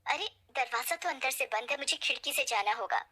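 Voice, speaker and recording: Sweet caring young bride in a story, higher bright voice, woman doing her. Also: fairly quick. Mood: worried. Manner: soft-spoken and caring. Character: gentle devoted young bride.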